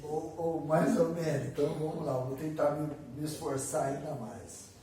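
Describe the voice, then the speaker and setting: Brazilian male preacher, fairly high voice, chatty sermon, picked up from far off in a very echoey room. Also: steady tone, normal speed, dark tone, slight background noise. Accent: Brazilian Portuguese. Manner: conversational, acts out prayers and asks the audience questions. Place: church hall.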